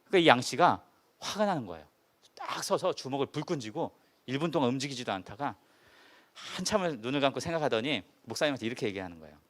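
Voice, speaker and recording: A male pastor preaching a sermon and retelling a story, putting rhetorical questions to the congregation in an animated way. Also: medium pitch, quick pace. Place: church service.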